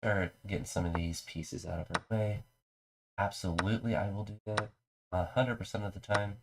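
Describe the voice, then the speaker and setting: A man's voice: steady tone, normal speed, gravelly, noisy background. A man with a mild cold and a congested voice, casually talking through his chess moves on a live stream. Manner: low-key, talks through his moves.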